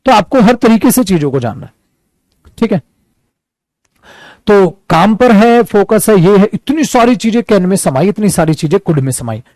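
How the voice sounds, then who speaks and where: High-voiced man teaching a chatty lesson. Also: animated, normal speed, long pauses, a little mellow, no room sound. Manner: chatty, calls students "beta"; acts out examples. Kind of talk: online English lesson in Hindi.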